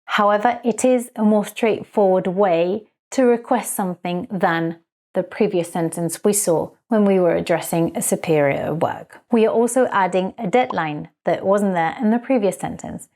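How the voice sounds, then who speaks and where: A woman teaching business English in an online lesson, slowly modelling phrases for learners. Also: mid-range voice, darkish tone.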